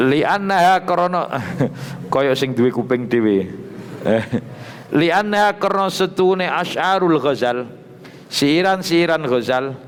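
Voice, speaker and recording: Javanese-accented man teaching an Islamic text. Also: medium pitch. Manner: reads Arabic then translates line by line; chanting Arabic phrases. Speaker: Islamic boarding school teacher. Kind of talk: religious text lecture. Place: prayer room. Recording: long reverb in a prayer hall.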